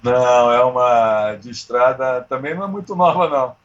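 A man of around sixty with a husky voice, chatting informally and slangily as he tells stories. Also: medium pitch, fairly even intonation, moderate pace, highs cut off. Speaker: amateur triathlete, interview guest. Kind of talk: casual chat, storytelling.

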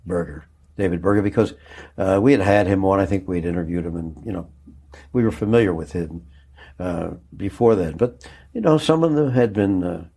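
An older man recalling a day he covered on air, speaking haltingly with many restarts and a moved, choked-up tone. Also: low voice, gravelly, warm tone, husky. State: moved, choking up. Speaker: interviewee recalling a broadcast. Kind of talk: reflective interview recollection.

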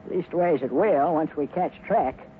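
A man's voice: on the high side, a little slow, natural voice. A man playing a folksy, rambling old cowboy who tells tall tales with a Western American drawl in a 1950s radio show. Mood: folksy, earnest. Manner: rambling, drawling, exaggerating storyteller. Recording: muffled, hissy old radio recording.

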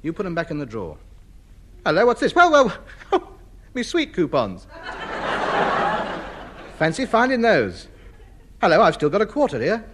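A man's voice: sits high, huge pitch swings, normal speed, pauses often, fairly bright tone, heavily acted. An actor playing a pompous, self-important man in a 1950s radio sitcom, blustering and grandiloquent. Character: pompous, self-important middle-aged man hoarding junk. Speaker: comedy lead. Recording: noisy old radio broadcast.

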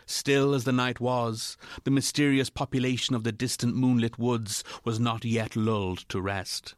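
A man narrating a classic ghost story from a script in a measured, literary storytelling manner. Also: mid-range voice, fairly even intonation, a little hiss or hum.

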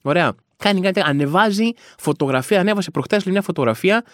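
Man, podcast host, comedic monologue, high-pitched voice, dry close sound, rambling self-mocking rants. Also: lively intonation, dry recording. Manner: frequent colloquial asides and restarts.

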